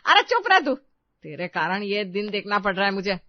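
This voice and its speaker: A woman's voice: medium pitch, steady tone, moderate pace, no echo, dull audio, lightly acted. A woman voicing a strict, bossy middle-aged mother-in-law in a cartoon story. She scolds and gives orders. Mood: scolding. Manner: scolding, commanding. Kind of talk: Hindi cartoon story voice acting.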